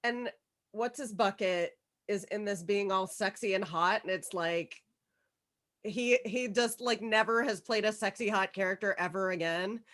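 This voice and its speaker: A woman chatting casually in an excitable, slangy way, swearing freely, on a group call. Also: medium pitch, measured pace. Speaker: participant in a virtual table read group. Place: remote online video call.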